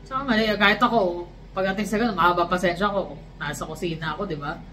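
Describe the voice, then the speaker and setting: A woman from the Philippines chatting casually on a vlog, telling her story with lively energy and quoting people in English. A faint hum of ambience sits behind her voice. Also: on the low side, fast talker, rough recording. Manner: animated storytelling, switching into English quotes. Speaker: vlogger. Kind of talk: casual chat.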